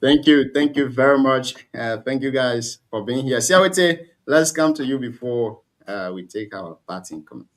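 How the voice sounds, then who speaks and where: A man hosting a political talk show, lively and challenging his guests. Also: medium pitch, normal speed, few pauses.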